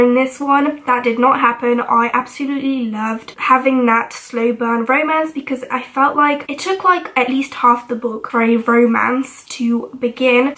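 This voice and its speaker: Over noticeable background noise, a woman speaks in a high pitch with hardly any pauses. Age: young. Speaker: book reviewer. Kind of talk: casual talk to camera.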